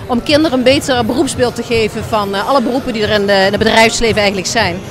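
A woman's voice: on the high side, quick pace. A middle-aged woman, explaining an event in an interview. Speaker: event spokesperson. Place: large busy indoor event hall. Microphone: handheld interview microphone.

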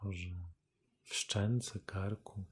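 A man leading a guided meditation as a teacher, calm and unhurried, speaking in measured phrases with long pauses. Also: fairly low pitch, breathy edge.

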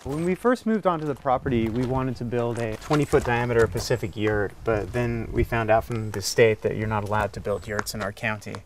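A man's voice: mid-range voice, a little fast, hardly any pauses, slight background noise. A man in his forties, a farmer and craftsman, explaining his handmade off-grid setup step by step while walking around his small farm, indoors and out. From United States. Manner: earnest, practical, explains step by step. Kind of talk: casual explanatory tour.

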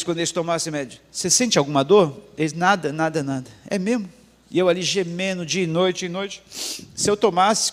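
A middle-aged male pastor telling a dramatic personal testimony in a sermon, dropping into hushed low passages. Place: church hall. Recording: long hall reverb.

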